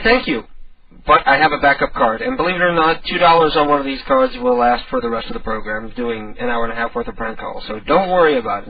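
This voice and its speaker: A man with a heavily creaky, gravelly voice and lively swings in pitch hosts a live prank show. He rambles casually and sardonically over a dull, distant radio recording. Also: no echo. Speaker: prank call show host.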